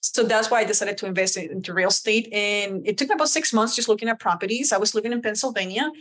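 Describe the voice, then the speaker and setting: A woman's voice: mid-range voice, quick pace, a bit bright. A woman from Colombia whose first language is Spanish, telling her story as a podcast guest in a candid, chatty way. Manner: candid, chatty, uses many fillers. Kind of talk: casual interview storytelling.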